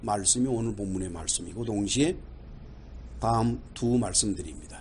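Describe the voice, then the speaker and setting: A man's dark, mellow voice at a fairly slow pace, with ordinary pitch variation and audible room echo. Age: 70s. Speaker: pastor. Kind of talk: sermon.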